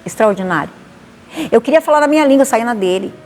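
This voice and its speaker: A woman pastor with a Bahian accent, giving a lively spoken testimony and acting out the dialogue. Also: a little high, fast. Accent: Bahian Portuguese. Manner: animated, acts out dialogue. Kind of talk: testimony storytelling. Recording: long reverb, faint noise.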